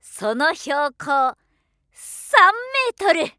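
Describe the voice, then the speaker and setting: A woman giving scripted narration as a professional voiceover artist, with a measured, polished delivery. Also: high voice, animated, pushed and bright, no room sound, clean studio sound.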